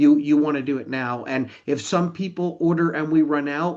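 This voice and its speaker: Against a quiet background, a man with a plain, everyday voice talks at a moderate pace and a fairly high pitch, with ordinary pitch variation. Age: 60s. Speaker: network marketing leader. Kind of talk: live webinar update. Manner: casual, conversational.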